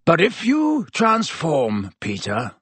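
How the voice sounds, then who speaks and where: Guy doing an angry vengeful man in an audiobook, gravelly and snarling, swings up and down, menacing. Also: mid-range voice, very animated, measured pace, no room sound, exaggerated voice. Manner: roaring, snarling, growling.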